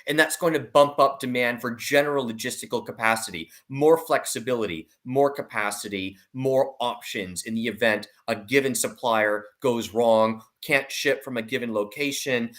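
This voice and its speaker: A man's voice: medium pitch, moderate pace, few pauses, fairly bright tone. Emphatic man giving market commentary. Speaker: investment analyst guest. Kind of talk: market commentary in an online discussion.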